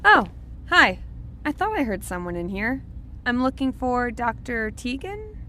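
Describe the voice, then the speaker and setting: A woman's voice: fairly high pitch, sing-song, unhurried, pushed and bright, a little hiss or hum, exaggerated voice. An actress playing a young female physicist in an audio drama, poised, curious and friendly, with a polite, lightly wry manner. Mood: tentative. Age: young adult.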